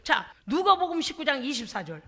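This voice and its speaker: A woman pastor delivers a lively sermon in a high, bright voice. She is exclamatory and folksy, breaking into laughs and chatting with her congregation. Her voice rings with the long echo of a church hall. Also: brisk. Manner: animated, exclamatory preaching with frequent laughs; folksy, conversational asides to the congregation. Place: church service.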